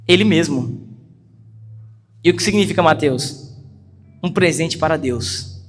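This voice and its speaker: A man with a high, slightly bright voice and a Brazilian Portuguese accent preaches a sermon in a church hall, telling a story earnestly and building to urgent emphasis. The recording carries long hall reverb and faint music.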